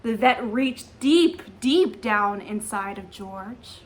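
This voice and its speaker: A woman's voice: mid-range voice, takes it slowly. A young woman reading a picture book to children, asking them questions in a cheerful, sing-song teacher manner. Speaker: children's storytime reader.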